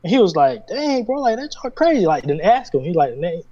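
A man's voice: high voice, big pitch swings, brisk, warm tone, dull audio. A male singer talking casually as a guest, laid-back and chatty, often laughing. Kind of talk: casual conversation.

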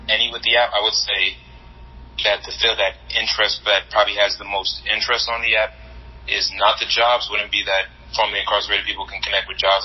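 A man's voice: fairly low pitch, slightly rough. Man on a muffled speakerphone line. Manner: loose, rambling, repeats and restarts phrases. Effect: heard over a phone on speaker. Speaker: founder of a job app for the formerly incarcerated. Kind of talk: casual phone interview answers.

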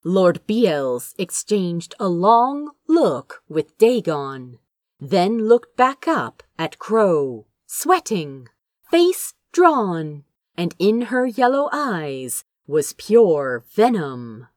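A woman's voice: fairly low pitch, very animated, drawn-out words, a little mellow, dry recording, clean studio sound. A woman reading a fantasy story aloud as an audiobook narrator, in a dramatic storytelling style. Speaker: fan fiction audiobook narrator.

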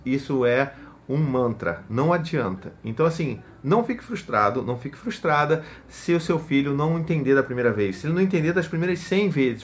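Young guy chatting about raising toddlers, animated, acts out what parents say. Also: mid-range voice. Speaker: parenting speaker. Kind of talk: casual advice monologue.

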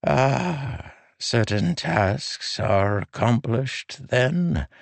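A man voicing a frail, weary old king who speaks with a soft, drawn-out, sorrowful delivery. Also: mid-range voice, animated, creaky, dry recording, pitched above the performer's own voice, heavily acted. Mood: wry. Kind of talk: audiobook character voice.

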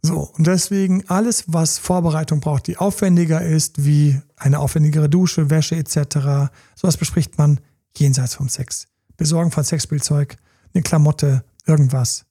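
Dark gravelly-voiced man giving sex advice. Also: on the high side, moderate pace. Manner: emphatic, repeats key phrases; acts out quoted dialogue in lively voices. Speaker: sex coach. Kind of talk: conversational advice talk.

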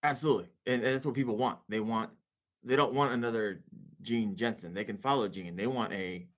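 A man's voice: fairly low pitch, fairly quick. A man who is a guest on a casual podcast, talking with confident, emphatic opinions.

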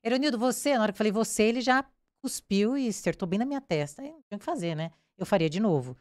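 A woman's voice: mid-range voice, very fast, no echo, studio quality. A woman with a Brazilian accent, a crime reporter telling her story in a casual interview and acting out what people said. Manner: animated, acts out quoted dialogue.

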